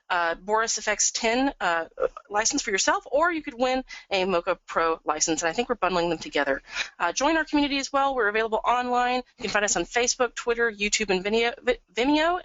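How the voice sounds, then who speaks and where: A woman presenting a live software tutorial webinar, upbeat and chatty, a bit sniffly from a cold. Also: medium pitch, no echo. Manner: upbeat, chatty, lots of "we're gonna". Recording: dull, dry lo-fi webinar audio.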